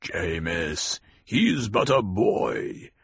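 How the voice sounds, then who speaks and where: A grave desert tribal leader, as a male reader voices him, rumbling low and slow. His tone is steady and deliberate. The sound is husky and dry. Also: no echo, heavily acted.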